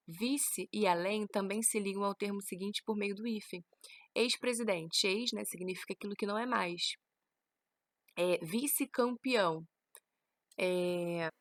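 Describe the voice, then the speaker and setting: A woman's voice: mid-range voice, fairly bright tone, no echo. Brazilian woman teaching grammar, dry sound. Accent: Brazilian Portuguese. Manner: explains each rule with frequent "né?" tag questions. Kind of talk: recorded grammar lesson reading from slides.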